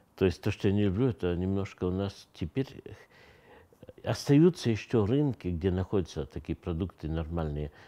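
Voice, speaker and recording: A man's very deep, low voice with a dark, mellow tone, in a French accent, at a moderate pace with lively intonation. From France, Grenoble area; France. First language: French (speaking Russian). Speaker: retired army general. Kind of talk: interview. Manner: halting. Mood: cheerful, animated. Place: home room.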